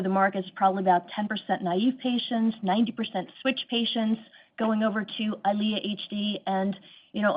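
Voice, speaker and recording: A woman speaking as a company executive, answering questions on an earnings call. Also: mid-range voice. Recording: slightly dull conference call audio.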